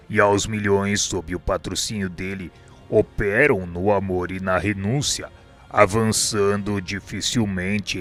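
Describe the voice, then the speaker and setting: A man acts out a wise spirit instructor for a radio drama. His voice is low, with a serene and solemn air. He explains in measured, didactic phrases over background music. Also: fairly bright tone.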